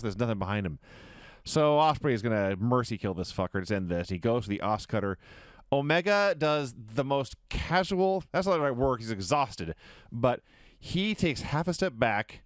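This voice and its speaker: A man co-hosting a podcast, telling a wrestling match blow by blow in a lively, swearing, storytelling way. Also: medium pitch, normal speed, dry recording. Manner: animated storyteller, swearing, chuckling. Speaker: podcast co-host. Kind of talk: casual wrestling recap chat.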